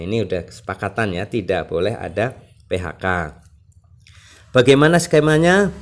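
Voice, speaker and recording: A man hosting an online channel, reading news aloud with informal, reassuring explanatory asides. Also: medium pitch. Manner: reassuring, explanatory asides, often ending phrases with "ya". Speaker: YouTube channel host.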